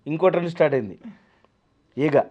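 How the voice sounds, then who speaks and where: A male mimicry artist chatting as an interview guest, telling animated stories and mixing in English phrases. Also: fairly high pitch, fast talker. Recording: slightly dull lo-fi sound.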